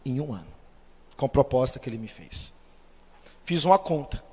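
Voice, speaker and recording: A man's voice: expressive, normal speed, husky. Brazilian man preaching in an echoing hall. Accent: Brazilian Portuguese. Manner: storytelling, acts out quoted dialogue with shifts of pitch and loudness. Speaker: Catholic lay preacher. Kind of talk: spoken testimony. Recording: long hall reverb.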